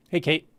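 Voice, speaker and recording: A man with a cold and a stuffy voice, hosting a casual live Q&A stream, greeting viewers in a relaxed, friendly way with frequent ums. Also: no room sound. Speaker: spiritual teacher hosting a live Q&A. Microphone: camera livestream setup.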